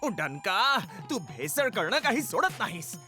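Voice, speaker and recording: An excitable village fellow in a children's cartoon, easily rattled. The pitch swoops widely while the words come slowly, with clear music underneath. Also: male voice. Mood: complaining. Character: excitable male villager, grumbling customer, easily frightened. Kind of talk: animated children's moral story voice acting.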